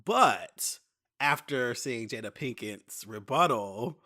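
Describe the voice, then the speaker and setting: A man's voice: medium pitch, animated, slow, pushed and bright. A man from California hosting a podcast, upbeat and chatty, laughing easily in casual chat. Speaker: podcast host.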